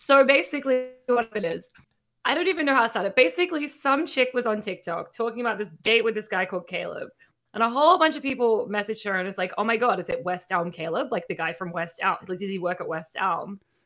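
Bright and sharp, a woman speaks animatedly at a very fast pace with very wide pitch swings. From Australia. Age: 30s. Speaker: whiskey bar industry guest. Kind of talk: casual chat. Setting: video call.

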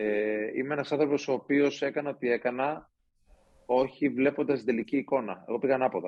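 Moderately paced, this man has an ordinary speaking voice at medium pitch with ordinary pitch variation. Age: 40s. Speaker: fitness educator and business owner. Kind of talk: casual interview chat.

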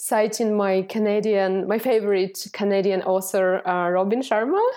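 On a very clean recording with a silent background, a woman with a dark, mellow tone speaks at a fairly slow pace. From Ukraine, Dnipro. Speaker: podcast guest, content creator. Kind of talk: interview conversation.

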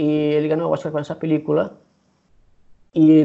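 A man talks at a moderate pace. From Brazil, Manaus (Amazonas). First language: Portuguese (speaking Spanish). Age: 40s. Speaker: musician. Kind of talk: interview. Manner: halting.

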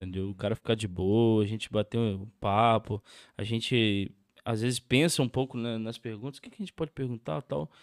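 A man with a plain, everyday voice speaks at a medium pitch and a moderate pace, with ordinary pitch variation and big swings in loudness, in a dry, close recording with no echo that is very clean against a silent background. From Itaperuna, Rio de Janeiro state, Brazil. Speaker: podcast host. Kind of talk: casual chat.

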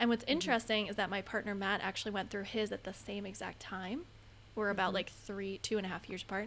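Speaking very fast, a woman keeps her intonation fairly even. Her voice sits at a medium pitch and carries vocal fry. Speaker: podcast host, creative business owner. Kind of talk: casual chat.

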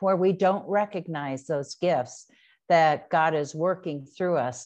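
Against a quiet background, a woman with an American accent talks at a very slow pace in a fairly low pitch. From Michigan. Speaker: author and former school counselor. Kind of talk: interview conversation. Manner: halting.

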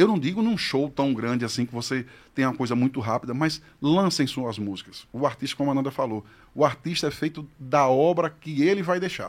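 Lively intonation runs through a normal speaking voice at a fairly quick pace. The recording is very clean, with a silent background. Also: man. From Aracaju, Sergipe, Brazil. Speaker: singer in a forró duo. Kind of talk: casual podcast interview.

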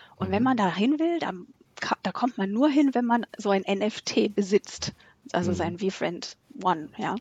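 A woman's somewhat breathy voice at a medium pitch, with lively intonation. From southwest Germany (Freiburg). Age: 40s. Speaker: entrepreneur. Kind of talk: casual interview.

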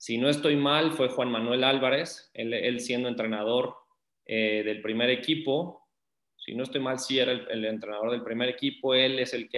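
Using an unremarkable speaking voice, a man keeps a medium pitch and fairly even intonation. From Mexico, San Luis Potosí. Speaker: retired professional footballer. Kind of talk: casual interview.

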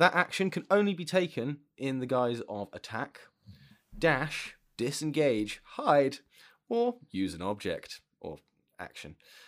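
The recording is very clean, with a silent background. A man speaks at a fairly high pitch, his voice swinging very widely in pitch. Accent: British. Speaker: role-playing game player. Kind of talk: casual chat. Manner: laughs often.

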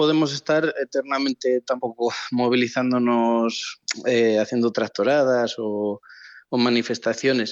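A man's plain, everyday voice, medium in pitch, at a fairly slow pace with fairly even intonation and a quiet background. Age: 30s. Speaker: farmer and protest coordinator. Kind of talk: radio interview. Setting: phone call.

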